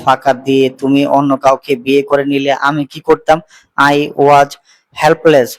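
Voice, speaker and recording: A man's voice: mid-range voice, monotone, a little slow, no echo, natural voice. A man reading the lines of a young man who pleads with his sweetheart over the phone, insistent and emotional, dropping English phrases. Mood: defensive.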